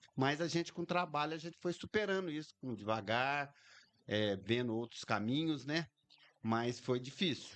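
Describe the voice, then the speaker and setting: With lively intonation, a man with an unremarkable speaking voice and fairly high pitch talks at a moderate pace. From Brazil, southern Minas Gerais (Três Pontas). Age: 60s. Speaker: supermarket owner, businessman. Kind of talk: interview.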